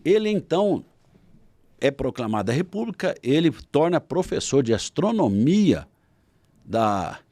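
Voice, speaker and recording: Man, Brazilian Portuguese accent, lively swinging pitch, dry close sound, storytelling guest. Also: unhurried, dry recording. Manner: animated storyteller, acts out shouted quotes. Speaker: guest author. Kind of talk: storytelling in a podcast interview.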